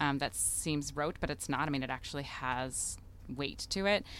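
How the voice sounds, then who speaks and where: In an American accent, a woman with a very deep, low pitch and vocal fry speaks at a moderate pace with ordinary pitch variation on a very clean recording with a silent background. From US Midwest, Chicago. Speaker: chef and restaurant owner. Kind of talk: interview. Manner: hesitant, many fillers.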